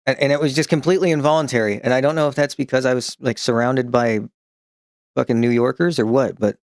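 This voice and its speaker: A man streaming in a casual chat, telling rambling, profane stories with frequent restarts and chuckling along, who picks up a slight New York twang when he gets excited. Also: medium pitch, quick pace, no echo, clean studio sound. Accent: slight New York-style twang when excited.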